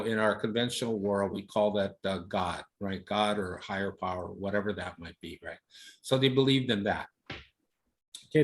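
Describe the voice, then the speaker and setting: A man from Hawaii giving an informal leadership presentation with slides, speaking casually with many fillers and often ending points with "right?". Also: lowish voice.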